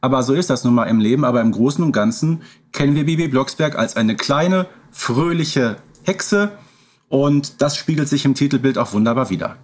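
Emphatic man co-hosting, mid-pitched voice. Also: lively intonation, moderate pace. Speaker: podcast co-host. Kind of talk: conversational interviewing and commentary.

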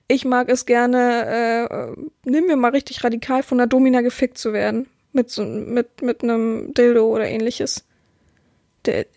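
High-voiced woman chatting on a podcast. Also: a little mellow, dry recording, studio quality. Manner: chatty, acts out quoted dialogue. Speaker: podcast host, dominatrix. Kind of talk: casual podcast monologue.

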